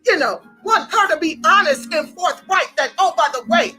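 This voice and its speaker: Very high, bright-voiced woman host. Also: normal speed, faint music behind, rough recording. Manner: animated, rallying, addresses listeners as family. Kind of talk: online commentary show.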